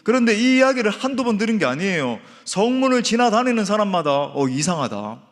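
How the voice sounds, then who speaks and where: A man's voice: sits high, expressive, fast talker. Emphatic male pastor in a reverberant church. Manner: emphatic, rhetorical questions, addresses the congregation often. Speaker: senior pastor. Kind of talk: sermon. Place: church sanctuary.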